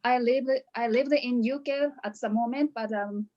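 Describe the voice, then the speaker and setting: A woman's voice: a little high, moderate pace, a little mellow, lo-fi sound. A woman from Japan with a Japanese accent, giving a hesitant graduation speech with many restarts over a video call. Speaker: coaching graduate.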